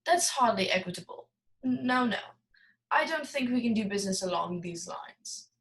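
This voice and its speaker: A woman's voice: on the high side, expressive, moderate pace, a bit bright, poor audio. A woman acting a jovial, wordy, scheming male crime boss in a film noir radio play, florid and theatrically genial. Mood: genially evasive.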